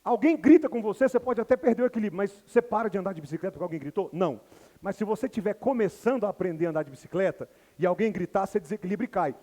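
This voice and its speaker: Talking very fast in a high voice, a Brazilian man teaches English live, acting out the figures in his animated anecdotes. A long reverb tail follows his words.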